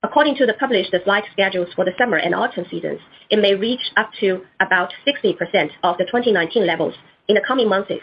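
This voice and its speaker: A woman's voice: medium pitch, fast talker, a little hiss or hum. A woman executive giving formal, prepared-sounding answers on an earnings call, with hesitant moments. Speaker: company executive. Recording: muffled conference call audio.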